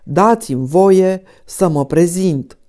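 A woman reading an audiobook voices an older nobleman father, speaking in a measured, sympathetic way. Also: fairly low pitch, close to an everyday voice. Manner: warm, measured, sighing.

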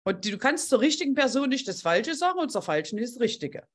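A woman's voice: fairly high pitch, sing-song, brisk. A woman hosting an online group coaching session, talking in an effusive, heartfelt way and addressing participants directly.

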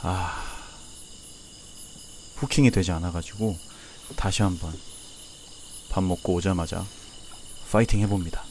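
Low-voiced guy chatting thru his night fishing trip, bit of outdoor hiss. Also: fairly even intonation, unhurried, long pauses, darkish tone. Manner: chatty, laughs often. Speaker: fishing vlog host. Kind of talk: casual voice-over narration. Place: reservoir bank at night, outdoors.

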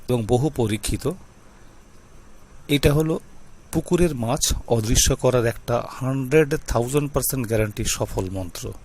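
A man hosting his own channel, speaking to viewers in a slow, deliberate and repetitive way as he explains instructions and reminders. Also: medium pitch, darkish tone, slight background noise. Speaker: YouTube channel host teaching mantras. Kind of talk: talking-to-camera instruction.

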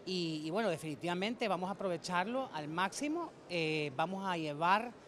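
A man's voice: high-pitched, animated, normal speed, fairly bright tone. A man in his thirties, an honorary consul, chatting through an interview and telling an anecdote, in a large conference hall. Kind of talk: interview answers.

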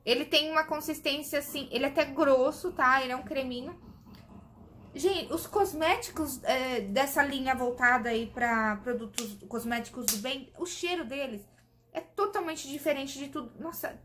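A woman's voice: high voice, normal speed, a bit bright. A woman from Brazil chatting casually to camera, enthusiastically reviewing and demonstrating beauty products for her viewers. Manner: demonstrating products while talking. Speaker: beauty vlogger.

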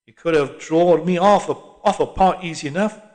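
A man's voice: on the high side, moderate pace, a little mellow, voice pushed up, close to an everyday voice. A man voicing a grumbling, pugnacious old working-class Londoner in an audiobook. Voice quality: gruff, pugnacious. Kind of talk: audiobook character voice.

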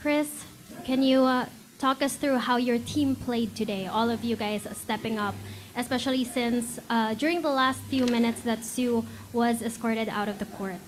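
High-voiced woman moderating a press conference. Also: steady tone, normal speed, slight background noise. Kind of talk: formal interview questions.

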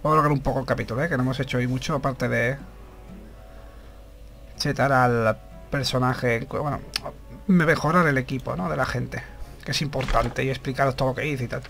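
A man's voice: mid-range voice, steady tone, fairly quick, vocal fry, over music. A man doing casual gameplay commentary, chatting to his viewers and swearing now and then. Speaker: gaming channel host.

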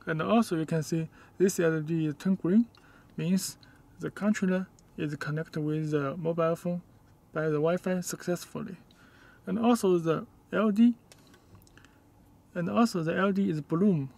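A man who is not a native English speaker gives a step-by-step hands-on demonstration inside a car, in halting, short, simple phrases. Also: fairly high pitch, steady tone, gravelly, a little mellow. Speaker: product demonstrator.

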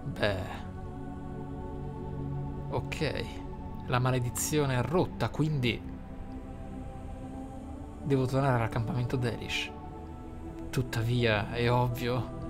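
A man's voice: medium pitch, steady tone, slow, long pauses. Man commentating a game over music. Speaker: gameplay host. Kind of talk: playthrough commentary on a roleplaying game. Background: game music behind the voice.

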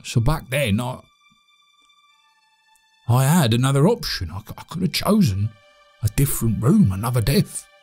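An actor playing a chatty, cagey British servant in an audio drama, speaking in a halting, colloquial, animated way. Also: male voice, mid-range voice, breathy edge. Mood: haunted, bitter. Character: chatty, cagey servant man, obsequious yet scheming. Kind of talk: audio drama monologue and dialogue.

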